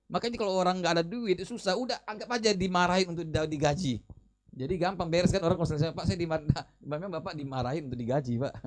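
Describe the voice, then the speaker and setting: A male pastor preaching, telling a lively personal story in a conversational way and often turning to address the congregation. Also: medium pitch. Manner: animated storytelling with quoted dialogue; conversational, addresses listeners as brothers and sisters. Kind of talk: sermon.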